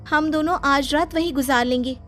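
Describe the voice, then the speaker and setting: A woman voicing a timid, jumpy young woman office worker who frets anxiously in a very high voice. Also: normal speed, fairly bright tone, faint music behind. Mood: worried. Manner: anxious, fretful.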